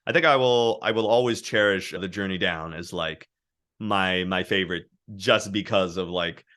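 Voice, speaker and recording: A man who works as a voice actor, chatting as a guest and telling animated stories about his work. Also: deep voice, normal speed. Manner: animated, anecdotal storytelling. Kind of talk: casual interview chat.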